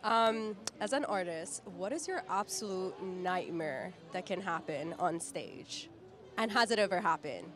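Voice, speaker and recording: A woman interviewing people on the street at a festival, upbeat and quick with affirmations. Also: lowish voice, lively intonation. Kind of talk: festival vox pop interviews. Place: outdoors at a city festival.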